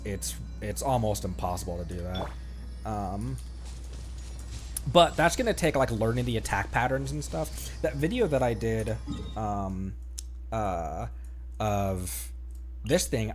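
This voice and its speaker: A man streaming a game, chatting casually in a rambling, halting way that often interrupts itself. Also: fairly low pitch. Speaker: game livestreamer. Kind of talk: casual gaming chat. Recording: music playing behind the voice.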